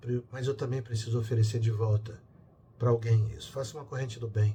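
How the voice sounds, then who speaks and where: A man's dark, mellow, somewhat breathy voice at medium pitch, at a fairly quick pace. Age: 60s. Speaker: spiritist group speaker. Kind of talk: spiritual reflection talk. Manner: animated.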